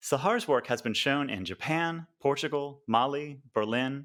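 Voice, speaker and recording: In a very clean recording with a silent background, a man talks fairly slowly in a normal speaking voice, fairly high in pitch, with lively intonation. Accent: American. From United States. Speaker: podcast host. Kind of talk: scripted introduction; interview.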